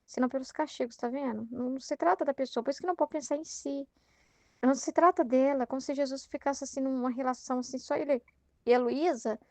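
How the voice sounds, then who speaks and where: A woman's voice: high voice, a little mellow, no room sound. A Brazilian woman reading a devotional text aloud and commenting on it in a chatty way, often tagging her sentences with fillers. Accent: Brazilian Portuguese. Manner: conversational, many fillers like "né". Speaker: Catholic study leader.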